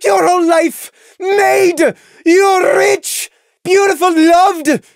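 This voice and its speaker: A young female pony at the end of her tether. She is high-pitched and shrill, ranting through tears with bitter spite. It is a storybook character in full despair, recorded very dry. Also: fairly even intonation, slow, gravelly, no echo, full character voice. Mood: tearful anger. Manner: shrieking, tearful, spiteful ranting.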